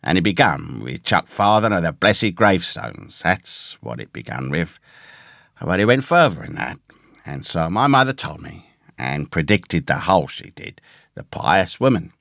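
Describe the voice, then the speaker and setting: A man acts out a storybook castaway, ragged, pious and a little crazed. His voice is deep, hoarse and creaky, swinging up and down as he rambles eagerly in rough sailor's speech. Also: sing-song, moderate pace, fairly bright tone, dry recording, clean studio sound, exaggerated voice. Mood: confiding, rambling. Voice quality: hoarse, awkward.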